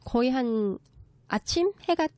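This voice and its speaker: A woman giving a conversational lecture in a polite, explanatory way, often pausing to rephrase as she goes. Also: high voice, expressive, darkish tone, no room sound. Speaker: guest lecturer, children's story writer.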